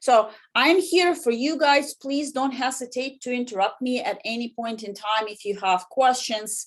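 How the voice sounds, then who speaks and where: Speaking in a Russian accent at a high pitch, a woman keeps a moderate pace with hardly any pauses, ordinary pitch variation and big swings in loudness. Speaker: economics professor. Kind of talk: lecture. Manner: casual, many fillers.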